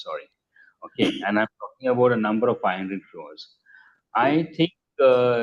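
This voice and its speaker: A man, a company executive giving measured, businesslike answers on an earnings call. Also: medium pitch. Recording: muffled conference-call line.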